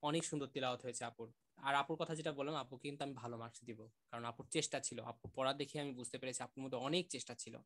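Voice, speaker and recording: A man teaching an online class, gently praising students and repeating sounds to demonstrate them. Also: mid-range voice.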